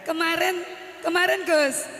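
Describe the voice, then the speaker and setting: Javanese woman from the crowd, hoarse, very high bright voice, polite short replies, echoey hall. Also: steady tone, unhurried. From East Java, Bojonegoro. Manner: polite and deferential, short answers. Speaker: audience member, housewife. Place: large venue with a congregation.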